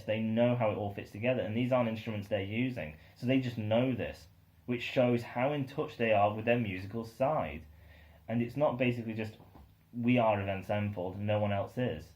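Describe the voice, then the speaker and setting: A young man with a somewhat low-pitched voice reviews an album track by track. He rambles, leaning on um and uh between thoughts, and sounds keen about what he hears. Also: darkish tone. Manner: rambling, many ums and uhs, enthusiastic. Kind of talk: casual spoken album review.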